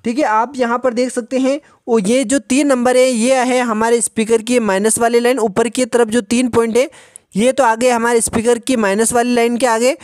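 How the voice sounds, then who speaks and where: A man patiently explaining a phone repair step by step in a tutorial voice-over, often pausing to check in with the viewer. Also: very high voice, no echo, clean studio sound. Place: voice-over over a drawn circuit diagram.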